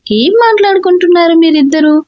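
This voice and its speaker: Flustered young wife, protesting, very high voice, storybook romance, woman reading. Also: fast, lo-fi sound. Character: flustered young wife, shy and easily embarrassed.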